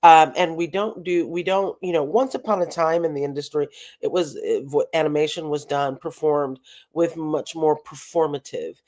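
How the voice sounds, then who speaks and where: A woman talent agent giving emphatic advice as an interview guest over a video call, with quick restarts as she explains. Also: sits low, steady tone, darkish tone.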